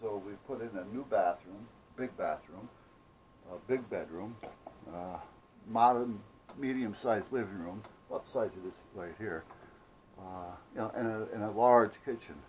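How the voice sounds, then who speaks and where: A man's voice: on the low side, moderate pace, a little mellow, slight background noise, low-quality recording. A man talking in a casual, rambling, folksy way, like a DIY vlogger telling a story. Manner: folksy, salty-tongued, conversational.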